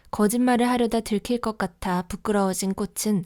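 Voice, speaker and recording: On a very clean recording with a silent background, a woman speaks at a fairly slow pace with a dark, mellow tone and medium pitch with ordinary variation, the sound dry and close with no echo. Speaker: audiobook narrator. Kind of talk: audiobook reading. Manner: natural, expressive with character acting.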